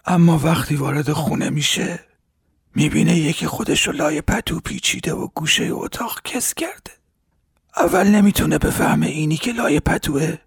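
An actor playing a grieving older village man who retells a tragedy in a hoarse, halting, sorrowful voice in an audio drama. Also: a little high, fairly bright tone, dry recording, clean studio sound, full character voice. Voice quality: hoarse, raspy. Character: grieving old village man recounting horrors.

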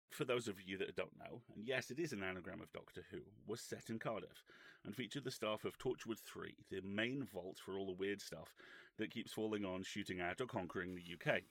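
British guy, lowish voice, swears a lot telling a story, dry close mic. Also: creaky, a bit bright, no echo. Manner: profane, wry storytelling. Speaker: podcast co-host. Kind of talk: casual anecdote.

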